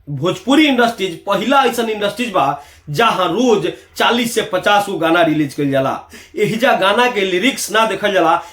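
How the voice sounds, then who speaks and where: A man's voice: sits high, fairly bright tone, reverberant. A man with a Bihari Bhojpuri accent giving emphatic, opinionated video commentary, addressing viewers with rhetorical flourishes. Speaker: YouTube commentator.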